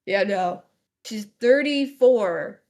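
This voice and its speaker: A woman co-hosting a livestream, teasing and sharp-tongued, swearing freely in casual chat. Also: medium pitch, animated, slow pace. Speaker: livestream co-host.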